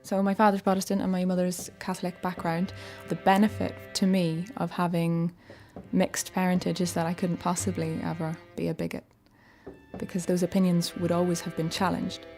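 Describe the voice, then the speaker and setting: Reflective Northern Irish woman, soft music behind. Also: on the low side, moderate pace. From Northern Ireland. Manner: relaxed, reflective, conversational. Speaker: storyteller. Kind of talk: personal story narration.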